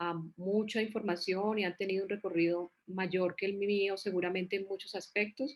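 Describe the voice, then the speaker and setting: A woman with a Colombian accent, fairly even intonation and a fairly slow pace. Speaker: coach and mentor. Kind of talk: online workshop talk.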